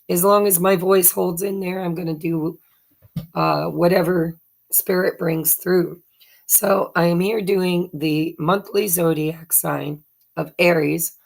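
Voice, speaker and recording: A woman with a hoarse voice from allergies, giving a casual tarot card reading in a chatty, meandering way with many fillers and self-corrections. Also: on the low side, darkish tone. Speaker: tarot reader.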